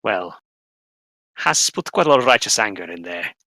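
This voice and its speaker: Guy running a tabletop rpg, lowish sharp voice, kinda formal narrating then chatty, really dry audio. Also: lively intonation, moderate pace, no echo. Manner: narrates formally with "shall", mixed with casual asides. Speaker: game master. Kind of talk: narrating a tabletop role-playing game.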